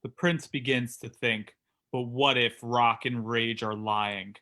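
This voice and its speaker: A man narrates a staged reading, delivering scene descriptions from a script. He speaks slowly and deliberately. His voice is mid-pitched, with a crisp, forceful brightness. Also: fairly even intonation.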